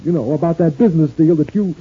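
Very husky aggrieved husband in a radio serial. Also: male voice, on the high side, fast talker. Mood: wounded. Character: aggrieved, gullible working-class husband, stubborn and proud. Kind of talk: old-time radio serial acting. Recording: muffled old radio recording.

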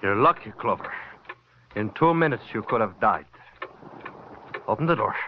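A man's voice: lowish voice, expressive, moderate pace, a little hiss or hum, close to an everyday voice. A man playing a gloating gangster in broken English. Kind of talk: 1950s radio drama acting. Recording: dull lo-fi old radio recording.

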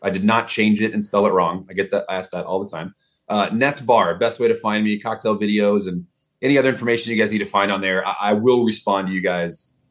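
Easygoing lower-voiced Texan guest. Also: male voice, steady tone, a little fast. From Texas. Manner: easygoing, talkative, frequent fillers. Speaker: guest, vodka brand bartender. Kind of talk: casual chat.

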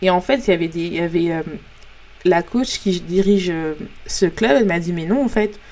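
French woman coach hosting her own podcast, warm and mellow tone, earnest, talks straight to listeners. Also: fairly low pitch, normal speed. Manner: earnest, frank, many fillers and restarts. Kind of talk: casual motivational monologue.

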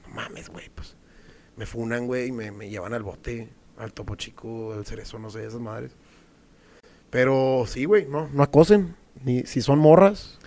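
A young man tells a story among friends. His talk is loose and slangy, full of swearing and quick laughs, at an ordinary pitch. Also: dark tone. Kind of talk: casual storytelling chat.

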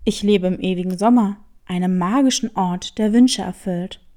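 A woman's voice: mid-range voice, moderate pace, mellow, voice pushed down, natural voice. A woman voicing a sly, boastful male black tomcat in a storybook, speaking in riddles. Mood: sly, cryptic. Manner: cryptic, boastful.

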